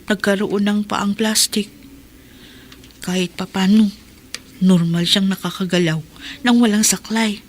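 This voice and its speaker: An actress playing an earnest young Muslim wife in a radio drama, speaking with conviction. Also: female voice, mid-range voice, fairly even intonation, measured pace, long pauses, slight background noise, lightly acted. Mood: reflective. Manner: impassioned, pleading.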